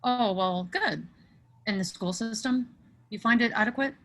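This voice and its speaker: A woman's voice: a little high, normal speed, fairly bright tone. A woman playing a nervous, lovesick teenage boy in a comedy table read, with a hesitant, stammering manner. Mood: awkward, nervous.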